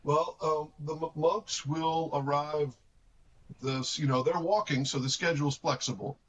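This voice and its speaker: Man explaining plans in a measured way. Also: on the high side, steady tone, a bit bright, slightly rough, rough recording. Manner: measured and explanatory, with occasional fillers. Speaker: cathedral representative. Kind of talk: live news interview.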